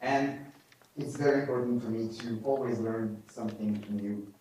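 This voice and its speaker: A man with a French accent is heard in strong room echo, with light background noise behind him. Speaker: data journalist. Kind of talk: conference talk. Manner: hesitant, with filler words. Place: hall.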